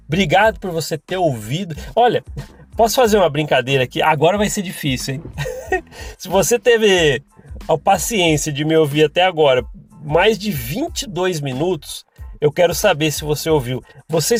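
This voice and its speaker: A Brazilian man hosting a podcast and talking casually, rambling with restarts and chuckles. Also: a little high. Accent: Brazilian Portuguese. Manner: chatty, rambling, with frequent restarts and laughs. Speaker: podcast host.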